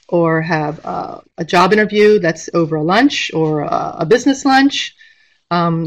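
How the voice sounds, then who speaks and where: A middle-aged woman giving an informal instructional presentation as a teacher, speaking over a video call. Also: on the low side. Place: indoor room, on a webcam video call.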